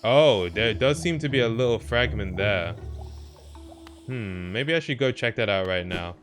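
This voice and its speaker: A man's voice: on the low side, lively intonation, measured pace, soft background music. A man streaming a game with casual commentary, thinking aloud in mild slangy exclamations. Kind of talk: casual let's play commentary.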